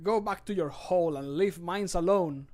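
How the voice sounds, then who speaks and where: A man's voice: sits high, normal speed, darkish tone, lightly acted. A man voicing an irritated, disgusted fantasy game character who hurls insults in a scornful, exclaiming way. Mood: scornful threatening. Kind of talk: video game mod voice acting.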